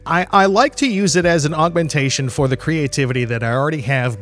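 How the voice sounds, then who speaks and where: A man hosting a solo podcast, talking in a casual, rambling, candid way with loose swearing and chuckles mid-sentence. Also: mid-range voice. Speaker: podcast host.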